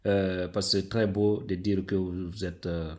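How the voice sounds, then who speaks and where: A man's voice: sits low, level tone, unhurried. A male interviewer who asks polite questions with hesitant fillers.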